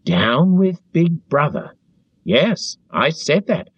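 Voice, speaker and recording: A frightened, servile middle-aged man pleads eagerly, his strained voice jumping high, as a male narrator puts him on. The pitch swings widely from line to line. It sits in a dry, dull, lo-fi recording. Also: sing-song, takes it slowly, husky, dry recording, full character voice. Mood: feverish.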